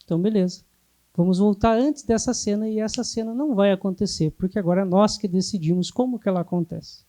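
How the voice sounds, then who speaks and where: A man teaching a hypnotherapy class in a calm, explanatory way. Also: high voice, fast talker. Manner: calm, explanatory, sometimes acts out clients. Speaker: hypnotherapy instructor.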